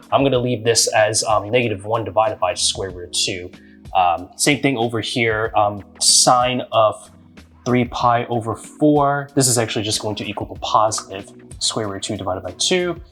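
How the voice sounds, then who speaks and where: A man's voice: fairly low pitch, fairly bright tone. A man explaining a math problem step by step in a casual, hesitant way, with many ums and restarts. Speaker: math tutor.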